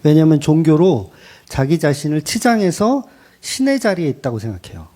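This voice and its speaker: A male pastor preaching a sermon in a blunt, colloquial, animated way. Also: fairly high pitch, moderate pace.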